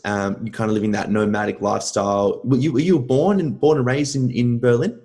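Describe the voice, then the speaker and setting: A man's voice: medium pitch, a little fast, dark tone. A man in his thirties hosting a casual interview podcast over a video call, friendly and a little hesitant with many ums. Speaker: podcast host. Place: home room, indoors. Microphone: video call with earphone mic.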